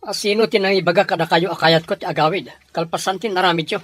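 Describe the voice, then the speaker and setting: A man's voice: high voice, fairly even intonation, fast talker, a bit bright, dry recording, faint music behind. Man playing proud young adult son, Filipino Ilocano accent, defiant temper, radio drama.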